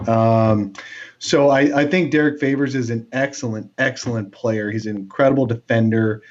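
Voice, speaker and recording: A man co-hosts a casual sports podcast, his fairly low, darkish voice full of fillers and restarts. The recording has a dull, lo-fi sound.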